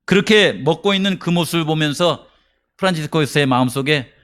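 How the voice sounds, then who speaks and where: A male pastor preaching a sermon, telling a story with acted-out quotes and questions put to his congregation, swinging between quiet murmurs and raised emphasis. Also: fairly high pitch, a little fast.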